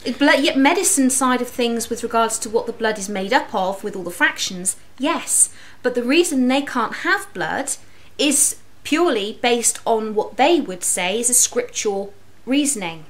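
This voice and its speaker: A woman's voice: fairly high pitch, expressive, normal speed, hardly any pauses. A woman in her thirties talking casually to camera in a living room, rambling a little with fillers. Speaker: vlogger.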